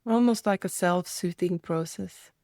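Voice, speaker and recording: A woman leading a guided meditation, speaking gently in soft invitations with reflective pauses. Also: lowish voice, no echo, studio quality.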